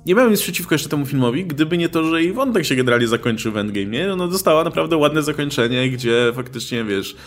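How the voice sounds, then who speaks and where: A man's voice: a little high, animated, quick pace, few pauses, faint music behind. A man co-hosting a casual film discussion podcast, talking with many fillers and restarts. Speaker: podcast co-host.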